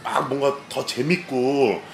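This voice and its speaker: A man's voice: mid-range voice, slow, vocal fry. A man telling rambling stories in casual drinking chat, acting out his own past outbursts. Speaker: streamer host. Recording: echoey room with background noise.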